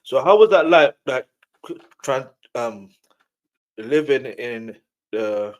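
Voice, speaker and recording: A man's voice: mid-range voice, lively intonation, slow. A man hosting a casual interview, informally circling and rephrasing his questions as he goes. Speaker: interviewer, host.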